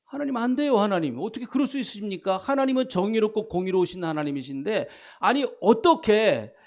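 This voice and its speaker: A man's voice: a little high, animated, measured pace, creaky, mellow, breathy edge, pitched below the performer's own voice, exaggerated voice. A man voicing the prophet Habakkuk, pleading with God in an urgent, indignant way. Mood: protesting.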